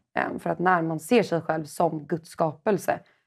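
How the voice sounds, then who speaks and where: A woman with a fairly low pitch talks with vocal fry. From Sweden, Örebro. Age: 20s. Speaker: youth leader. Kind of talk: testimony. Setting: TV studio.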